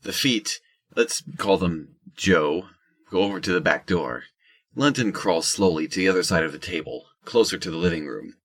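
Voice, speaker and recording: A man narrates a scripted audio drama. His voice is low and rough-edged, with a forceful, present tone. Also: moderate pace.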